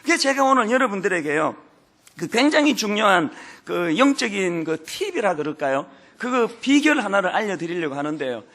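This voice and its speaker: Lively male pastor, fifties, joking sermon delivery, gravelly husky tone, wide swings in pitch. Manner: joking, animated preaching with playful asides. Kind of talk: humorous sermon.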